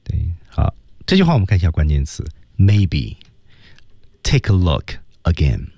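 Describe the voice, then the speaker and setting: A man's voice: sits low, wildly swooping pitch, moderate pace, mellow, dry recording. A man co-hosting a radio English lesson, breaking down film lines and demonstrating them. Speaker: English teacher co-host.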